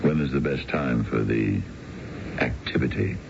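An actor in a 1970s radio drama playing a dignified older executive with a crooked side, speaking formally and in measured phrases. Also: male voice, extremely low pitch, creaky, exaggerated voice. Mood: discreet, calculating. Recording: dull, noisy old radio broadcast.

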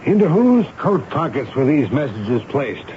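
An actor playing a stern, commanding army commander questioning subordinates with clipped authority in a 1970s radio drama. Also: male voice, medium pitch, sing-song, unhurried. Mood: brisk, probing. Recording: muffled, noisy 1970s radio broadcast.

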